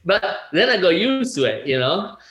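A man's voice: high voice, sing-song, normal speed, fairly bright tone, a little hiss or hum. A man around sixty from Italy, a guest talking casually in an interview with lots of laughs and restarts. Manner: chatty, laughing, many fillers and restarts. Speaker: guest, real estate agent. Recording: echoey room.

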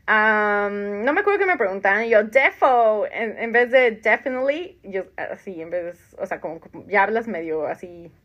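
A woman's voice: medium pitch, animated, normal speed, hardly any pauses, a bit bright, highs cut off. A Mexican woman in her thirties, hosting a podcast in a casual chat, reading out listener comments and answering them, with frequent laughs. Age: 30s. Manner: chatty, laughs often, reads comments aloud. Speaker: podcast host.

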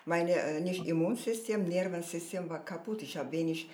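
A woman's voice: on the low side, moderate pace. Lady in her 80s, chatty and upbeat, echoey room. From Georgia. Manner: lively, non-native grammar, upbeat and proud. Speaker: guest. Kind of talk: casual interview chat.

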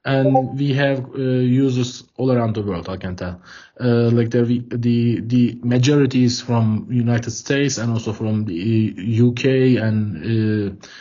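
On a video call with dull, lo-fi audio, a man from Turkey with a Turkish accent answers interview questions as a guest, the product head of a developer tool startup. His mid-range voice is steady and dark at a measured pace, and he hesitates and repeats words while thinking.

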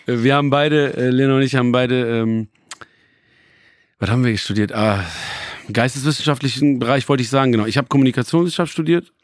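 A man's voice: medium pitch, brisk, no echo, studio quality. A man in his thirties chatting casually, rambling with many fillers, restarts and joking asides. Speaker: hip-hop journalist. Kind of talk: casual chat.

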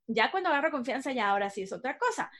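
A woman's voice: high-pitched, expressive, racing, fairly bright tone. A woman hosting a casual interview, telling stories animatedly and laughing at herself. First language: Spanish. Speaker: host.

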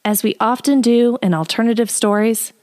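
A woman's voice: on the high side, normal speed, darkish tone. A woman presenting an audio drama podcast, reading a scripted introduction.

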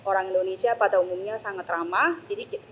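A middle-aged Korean woman, a foreigner speaking fluent but hesitant Indonesian with a Korean accent as an interview guest, often pausing to find words. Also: mid-range voice, very animated, long reverb tail, slight background noise. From South Korea. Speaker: interview guest, embassy senior researcher. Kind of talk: conversational interview answers.

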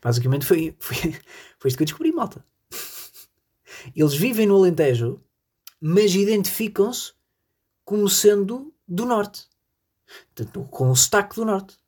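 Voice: medium pitch, big pitch swings, a little slow, pauses often, a little mellow, slightly rough. A podcast host from Portugal, rambling jokily through a solo monologue and talking straight to the listeners. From northern Portugal. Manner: rambling, jokey, addresses listeners directly.

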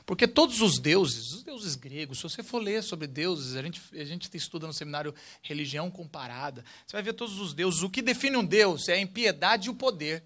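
Young brazilian guy giving a sermon, slightly high voice, goes loud then hushed, playful. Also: fairly quick, hardly any pauses. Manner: animated, swings from loud to hushed, playful asides. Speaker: pastor.

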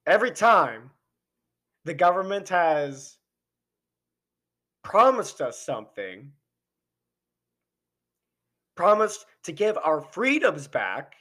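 High-sitting and sharp, this man's voice swings widely in pitch, moving slowly with frequent pauses. He hosts a podcast, ranting passionately about politics through rhetorical questions as his voice fades.

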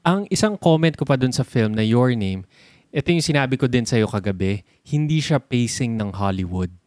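A young man with a Filipino accent, co-hosting a casual chat about films. He explains in an animated way and uses sound words to make his examples. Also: medium pitch, moderate pace, no room sound, clean studio sound.

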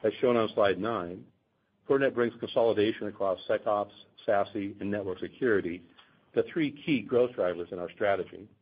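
Low, husky man on dull call audio. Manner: formal, measured reading of figures. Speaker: company finance executive. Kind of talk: scripted earnings call presentation. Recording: dull, band-limited conference call audio.

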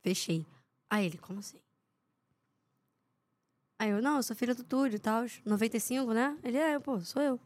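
A woman's voice: fairly high pitch, moderate pace, long pauses. A young woman, a sports reporter telling anecdotes as a podcast guest and acting out what people said. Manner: lively storyteller who acts out the quotes of people in her stories.

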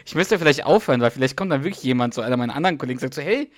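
Animated, chatty podcast co-host man. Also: medium pitch, racing, no echo, studio quality. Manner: animated and chatty, laughs easily. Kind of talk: casual chat.

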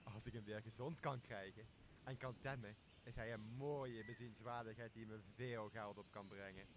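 A man's voice: lowish voice, steady tone, normal speed, noisy background, natural voice. A young man playing a boozy, blustering, greedy castaway in a Shakespeare radio play, with a coarse and bossy manner. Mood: scheming. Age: young adult. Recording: clear outdoor nature sound behind voice.

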